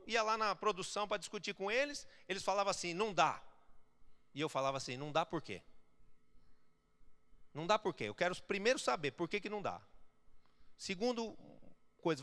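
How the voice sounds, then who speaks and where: A male pastor delivers a sermon in a fairly high voice. He preaches emphatically and swells into loud exhortations. His voice carries a long reverberation from the church hall. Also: clear, resonant tone.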